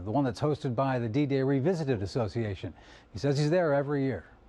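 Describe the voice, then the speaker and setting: Talking fairly quickly with lively intonation, a man has an unremarkable speaking voice and a fairly high pitch. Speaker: TV news reporter. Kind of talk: TV news report.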